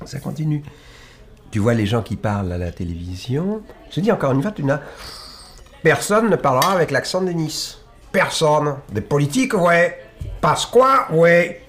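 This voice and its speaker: A man with a neutral Île-de-France French accent, speaking as an author guest in a reflective conversation. He is thoughtful and halting, and his emphasis rises and falls sharply. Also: on the high side. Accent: standard Île-de-France French. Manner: thoughtful and halting, with wide swings in loudness and emphasis.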